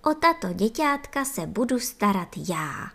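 A woman's voice: fairly high pitch, big pitch swings, fairly bright tone, full character voice. A woman voicing an eager young ant boy.

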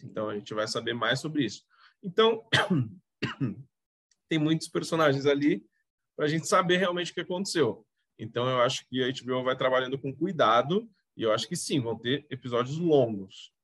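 A man's voice: mid-range voice, expressive, moderate pace, fairly bright tone, no room sound. Brazilian guy cohosting a podcast, easygoing chatter, coughs here and there. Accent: Brazilian Portuguese. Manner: chatty, coughing now and then. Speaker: podcast co-host. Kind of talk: casual chat reviewing a TV series.

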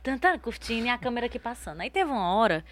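A woman from Northeast Brazil, a singer guest telling stories in a lively, expressive casual interview. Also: a little high, racing.

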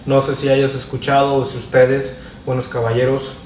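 A man's voice: mid-range voice, little pitch movement, moderate pace, darkish tone. A young man with a Mexican accent, co-hosting and confidently giving advice in slangy casual chat. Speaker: co-host. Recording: roomy, distant mic, faint noise.

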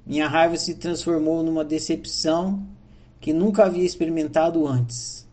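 A man's voice: fairly high pitch, fairly even intonation, moderate pace, darkish tone. A man with a Brazilian Portuguese accent, reading a personal diary entry aloud in an earnest, reflective way. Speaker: diary narrator.

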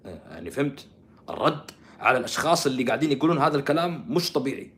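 A man giving sarcastic live-stream commentary, swinging from loud outbursts to soft mutters. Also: mid-range voice, big pitch swings, rapid-fire. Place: living in Canada.

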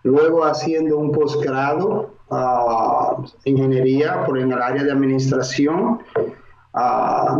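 A man's voice: medium pitch, a little mellow. Dominican man, roomy lo-fi recording. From Dominican Republic. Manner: slow, explanatory, many filler sounds. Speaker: guest, mortgage broker and investor. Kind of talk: interview answers. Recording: roomy, dull lo-fi sound.

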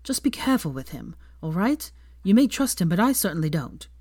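Woman reading as a tired blunt young guy, low mutter, close dry sound. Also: big pitch swings, fairly quick, a little mellow, no echo. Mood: weary, blunt.

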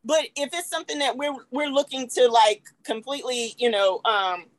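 With no room sound around her, a woman speaks in a slightly high voice at a moderate pace. She has an African American accent and talks emphatically in an animated panel discussion, frequently seeking agreement with "right?".

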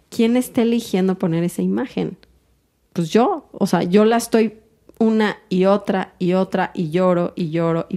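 A woman speaks in a calm, introspective podcast monologue. Her voice is mellow and sits a little low. She works through her feelings in an unhurried, thoughtful way. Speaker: podcast host.

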